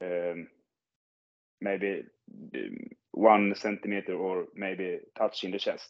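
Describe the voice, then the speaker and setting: A man with a Swedish accent speaks at a very slow pace, leaving long, frequent pauses. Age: 20s. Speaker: powerlifter. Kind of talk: interview. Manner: halting.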